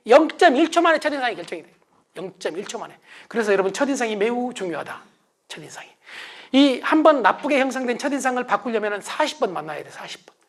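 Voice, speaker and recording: A man's voice: extremely high pitch, big pitch swings, quick pace. A middle-aged man giving a motivational lecture, asking the audience questions and answering them himself. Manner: acts out shouted family calls. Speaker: success lecturer.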